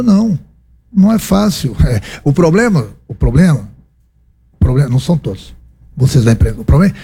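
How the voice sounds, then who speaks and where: A man with a Brazilian accent fields reporters' questions as a football coach. His voice is husky and mellow, sitting slightly high. He is emphatic, repeating his phrases and firing off rhetorical questions. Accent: Brazilian Portuguese. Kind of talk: post-match press conference answers.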